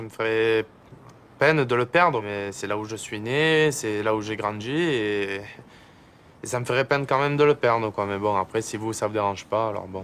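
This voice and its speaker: Speaking at a moderate pace in a Marseille accent, a man uses ordinary pitch variation. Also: medium pitch for a man. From Marseille, southern France.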